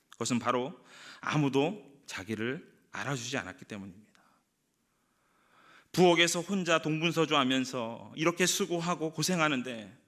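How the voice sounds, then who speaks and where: A man's voice: medium pitch, a bit bright. A man preaching a sermon as pastor, asking the congregation rhetorical questions and acting out quoted speech.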